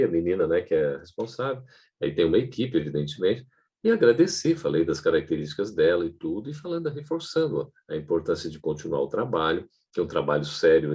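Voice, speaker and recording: A man giving an online training lecture on public speaking to camera, in a lively teaching tone with frequent checking asides. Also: sits low, slightly rough.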